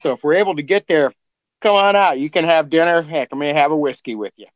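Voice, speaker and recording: A laid-back man hosts a podcast chat, joking and laughing with his guests. His voice sits a little high. The sound is dry and somewhat muffled, like a remote call. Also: fast, dry recording. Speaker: podcast host. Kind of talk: casual chat.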